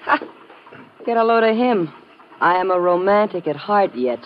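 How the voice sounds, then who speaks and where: An actress playing a worldly, brassy American riverboat singer in a 1950s radio drama, slangy, wry and streetwise. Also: female voice, mid-range voice, lively intonation, moderate pace, close to an everyday voice. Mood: mocking. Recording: muffled, hissy old radio recording.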